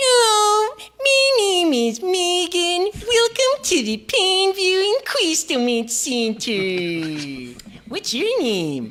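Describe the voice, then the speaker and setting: Using a put-on character voice, a woman speaks very slowly in an extremely high, squeaky pitch. Her tone is cheerful. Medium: actual play. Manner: perky, cheerful.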